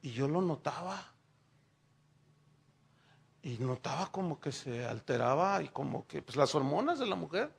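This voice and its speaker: A middle-aged man, preaching a sermon and telling lively stories while speaking directly to the congregation. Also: fairly high pitch, unhurried, gravelly, pauses often, breathy edge. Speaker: pastor.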